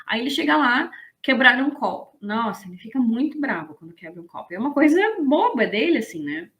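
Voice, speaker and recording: A woman, explaining ideas in a casual, animated lesson and checking in with her listeners. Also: fairly high pitch, fairly quick, lo-fi sound. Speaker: business management instructor.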